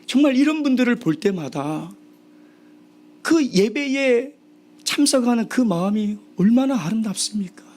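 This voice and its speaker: A man's voice: extremely high pitch, moderate pace. A man preaching a sermon as pastor, asking the congregation rhetorical questions and dropping now and then to a whisper. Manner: animated preaching with sudden drops to a whisper.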